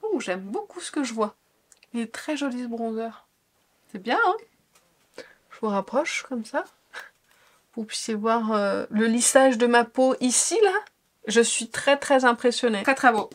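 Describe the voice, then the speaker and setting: A woman beauty vlogger talking casually through a makeup tutorial, gushing with enthusiasm and dropping into soft asides. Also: a little high, moderate pace.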